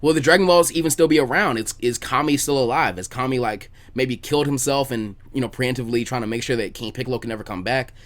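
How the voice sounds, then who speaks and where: A man hosting a casual podcast chat, halting and repeating words as he thinks aloud. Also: mid-range voice. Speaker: podcast host. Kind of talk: casual chat about anime what-if scenarios.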